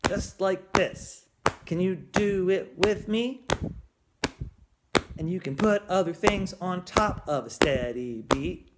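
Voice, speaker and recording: A male music teacher giving a gentle, encouraging music lesson to young children from home. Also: high-pitched, slow, heavy background noise. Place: at home on a bed.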